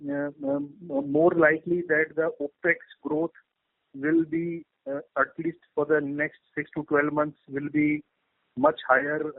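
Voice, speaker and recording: A man's voice: on the high side, vocal fry. A man with an Indian accent asking questions as an analyst on a conference call, polite and tentative, rephrasing as he goes. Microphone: telephone. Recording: tinny narrow-band phone line.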